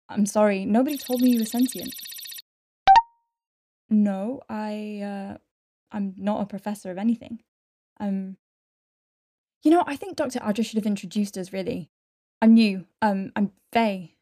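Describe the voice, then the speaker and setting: A rookie woman doctor in a science fiction radio play. Her voice is mellow and mid-pitched. She is nervous and apologetic, hesitating, rambling and correcting herself as she goes. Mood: flustered, awkward. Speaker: doctor character in an audio drama. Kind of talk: science fiction audio drama acting.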